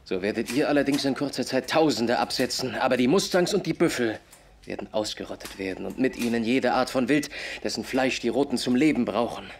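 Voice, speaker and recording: A man's voice: medium pitch, fairly quick, slight background noise, lightly acted. Man acting an earnest young greenhorn. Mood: grave, accusing. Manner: polite, articulate, earnest. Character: earnest, polite, outspoken young German greenhorn. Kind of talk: German radio play acting.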